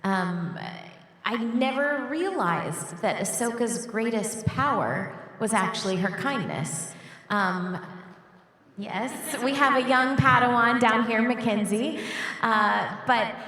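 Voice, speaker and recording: A woman's voice: fairly high pitch, animated, slow, a bit bright. A woman guest on a convention panel, talking earnestly about a character she loves. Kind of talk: casual panel chat. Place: large convention hall. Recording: echoey hall from far off.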